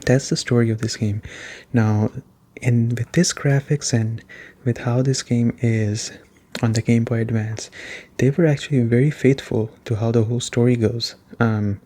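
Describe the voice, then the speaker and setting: A man giving a soft-spoken, casual ASMR-style video game review in a conversational way. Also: medium pitch, steady tone, normal speed.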